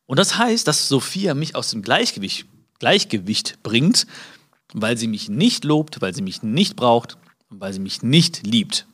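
A man giving a live motivational talk. He speaks to his listeners directly, acts out little dialogues and jumps high in pitch to stress a point. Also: sing-song, a little slow, fairly bright tone, husky. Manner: many fillers and restarts, acts out small dialogues.

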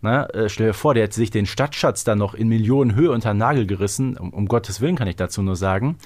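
A man's voice: lowish voice, quick pace, darkish tone. A man co-hosting a casual fan discussion, chatty and often seeking agreement with tag questions. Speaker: podcast co-host.

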